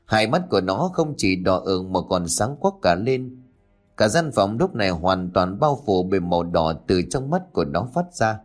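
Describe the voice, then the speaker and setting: A man narrating a ghost story in a steady, solemn storytelling manner. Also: low voice, normal speed. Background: faint music.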